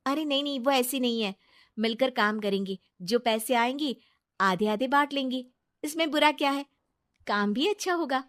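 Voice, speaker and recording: A woman's voice: sits high, moderate pace, a bit bright. A woman voicing a trusting, kind young wife in a cartoon story, talking in an earnest, chatty way. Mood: reassuring. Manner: chatty, earnest everyday speech.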